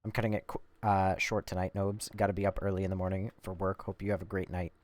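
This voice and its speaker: A man doing casual live game commentary, rambling and swearing as he thinks out loud. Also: low voice, little pitch movement, fast. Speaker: live streamer. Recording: faint background noise.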